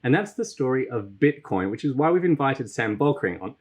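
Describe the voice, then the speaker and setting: A man's voice: mid-range voice, sing-song, a little fast, a little mellow, husky. A man hosting an interview programme, introducing and putting questions to guests. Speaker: show host.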